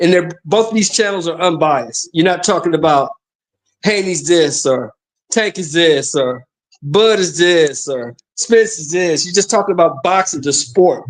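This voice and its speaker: A man speaks at a moderate pace with a high pitch. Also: ordinary pitch variation. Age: 60s. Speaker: boxing commentator on a stream panel. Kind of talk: casual panel discussion.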